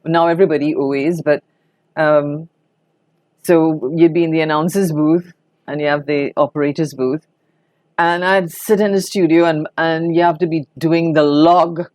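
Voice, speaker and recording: A woman's voice: low voice, fairly even intonation, normal speed, a little mellow, no room sound. An older woman with a Trinidadian accent reminiscing conversationally in an interview, telling anecdotes expressively as a veteran broadcaster.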